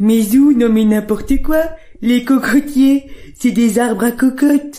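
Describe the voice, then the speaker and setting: This is a put-on character voice that sounds female. It sits at a fairly high pitch. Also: fairly slow pace. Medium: audio drama. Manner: teasing, giggly.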